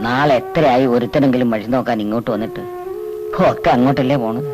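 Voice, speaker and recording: A man's voice: mid-range voice, fast, over music, natural voice. An older actor playing a proud, scheming retired astrologer father in a domineering, blustering manner. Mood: stern. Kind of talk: 1990s Malayalam film dialogue.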